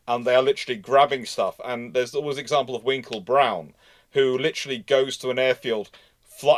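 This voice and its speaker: A man hosting a live history question and answer discussion, explaining in an emphatic, repetitive, digressive way. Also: medium pitch. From Britain. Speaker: naval history show host.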